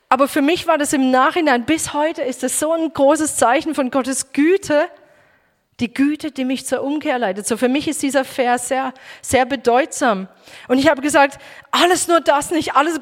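Emotional German-speaking woman preaching. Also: high voice. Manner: emotional, halting with many restarts. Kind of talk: personal testimony sermon. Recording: echoey hall reverb.

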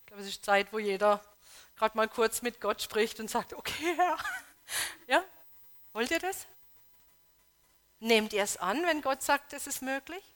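A woman preaching a sermon, earnestly urging her congregation with questions, moving between loud appeals and soft, hushed emphasis. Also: a little high, normal speed, pauses often.

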